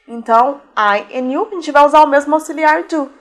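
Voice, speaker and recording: A Brazilian woman who speaks Portuguese natively, patiently explaining a beginner English lesson and slowing down for model sentences. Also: high voice, a bit bright. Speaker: English teacher.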